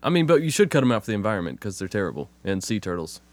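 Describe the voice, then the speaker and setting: A man, hoarse from a cold and with a rough voice, chatting casually and swearing freely as a podcast co-host. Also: fairly low pitch, sing-song, rapid-fire, no room sound. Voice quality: rough, smoker-like voice. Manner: laid-back, swears casually, says "man" a lot. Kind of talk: casual chat.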